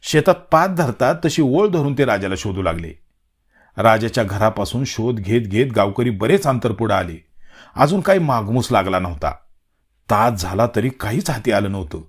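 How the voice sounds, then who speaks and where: A man's voice: medium pitch, expressive, normal speed, breathy edge. Man reading a village story. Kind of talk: scripted story narration.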